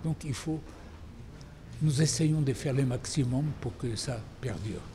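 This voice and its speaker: Fairly slow and somewhat breathy, a man's voice moves with ordinary pitch variation. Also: medium pitch for a man. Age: 80s+. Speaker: war veteran. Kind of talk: testimony. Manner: halting.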